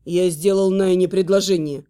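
A woman voicing gloomy, fretful young male dragons in a lowered, brooding voice. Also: steady tone, moderate pace, warm tone, smooth, close to an everyday voice. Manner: low brooding put-on male voice.

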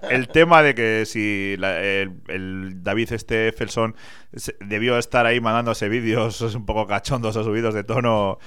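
A man from Spain co-hosting a casual radio chat about rock, chatty and relaxed, laughing now and then. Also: on the low side, normal speed, smooth, no echo, studio quality. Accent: Spanish. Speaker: radio show co-host.

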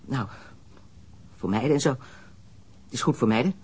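An actor playing a defensive young male smuggler under police questioning in a radio drama, evasive and quick to protest. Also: medium pitch, expressive, darkish tone, husky. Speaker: suspect under interrogation.

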